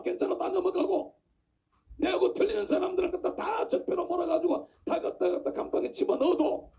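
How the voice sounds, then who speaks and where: High, gravelly impassioned pastor. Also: male voice, dark tone. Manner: impassioned, emphatic preaching with rhetorical questions. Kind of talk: sermon. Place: church pulpit. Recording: dull lo-fi recording.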